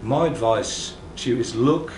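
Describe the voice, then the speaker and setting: A man's voice: mid-range voice, measured pace, background noise. A middle-aged man who runs a building company, giving plainspoken career advice to young people. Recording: roomy, with music underneath.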